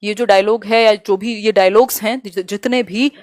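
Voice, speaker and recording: A woman teaching an exam-prep lesson live, reading questions aloud slowly and chatting with viewers as she explains. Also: medium pitch, steady tone, dry recording, studio quality. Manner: chatty, answers viewers' comments.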